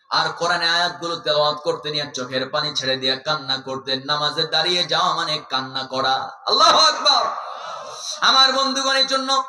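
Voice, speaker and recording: A young man with a Bangladeshi Bengali accent preaching a sermon, telling a story fervently and swinging between loud cries and hushed tones. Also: sits high, echoey room, poor audio. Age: young adult.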